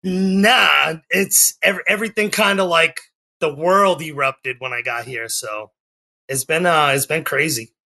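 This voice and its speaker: A man's voice: fairly high pitch, measured pace, vocal fry, pushed and bright. A man in his forties with a Boston-area accent, a life coach chatting as a guest on a remote call, rambling with many ums and restarts. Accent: Boston area, non-rhotic. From Massachusetts, US. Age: 40s. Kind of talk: casual interview chat.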